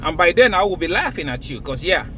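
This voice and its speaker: A man's voice: on the high side, big pitch swings, quick pace, fairly bright tone, slight background noise. A man from Cameroon, raised in Nigeria, talking emphatically to camera and laughing between phrases. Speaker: crypto vlogger. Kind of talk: casual hype monologue to camera.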